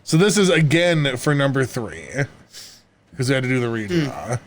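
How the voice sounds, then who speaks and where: A man's voice: medium pitch, very animated, moderate pace. A man co-hosting a podcast, chatting casually and narrating a script to the group. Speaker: podcast co-host.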